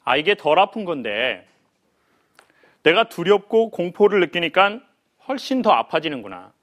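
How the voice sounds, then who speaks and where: A male lecturer with a fairly high voice that swoops up and down a great deal. He tells his stories in a playful, animated way and slips into acted voices for the people in them. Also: moderate pace. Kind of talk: humorous life lecture to an audience.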